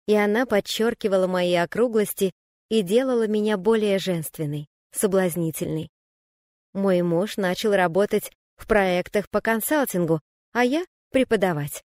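Calm woman reading a memoir. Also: medium pitch, moderate pace, no room sound, clean studio sound. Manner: calm, even, reflective reading. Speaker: audiobook narrator. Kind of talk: first-person memoir reading.

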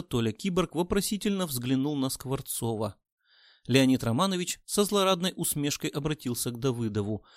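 A man narrating an audiobook in an expressive, dramatic way. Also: mid-range voice, no room sound, clean studio sound. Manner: dramatic, varied reading.

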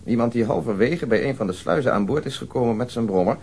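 An actor playing an observant, methodical detective who explains precisely, in a Dutch radio drama. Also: male voice, medium pitch, fast, darkish tone, a little hiss or hum, natural voice. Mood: assured, explanatory.

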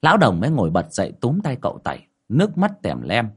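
Man telling a lively ghost story. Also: medium pitch, quick pace, husky. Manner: lively, dramatic storytelling with voiced dialogue.

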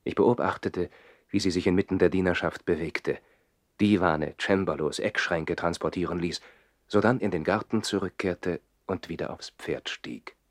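An actor playing a passionate nobleman who lives in the trees and recalls his love in a measured, literary way, in a 1960s German radio play. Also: low-pitched, no echo, clean studio sound. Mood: hushed wonder.

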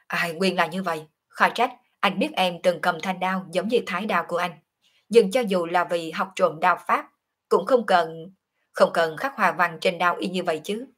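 A woman's voice: fairly low pitch, normal speed, fairly bright tone, slightly rough. A woman reading a wry young man. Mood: rueful. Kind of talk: audiobook character reading.

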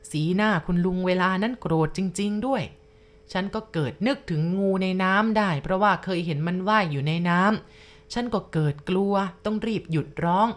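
A woman with a mid-range voice tells a first-person ghost story, speaking straight to the listener at a slow, confiding pace.

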